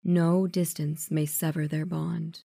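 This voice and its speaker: A man voicing a calm, mysterious noble lady in a mask, speaking in a soft, clear whisper. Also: a little high, slow, no room sound, clean studio sound, voice pushed up, exaggerated voice. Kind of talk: storybook character voice.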